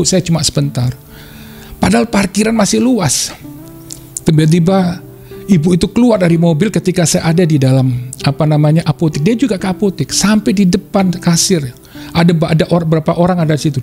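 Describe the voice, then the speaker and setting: A male pastor preaching a sermon with passion, his voice jumping up in pitch to stress a point. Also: creaky, mellow.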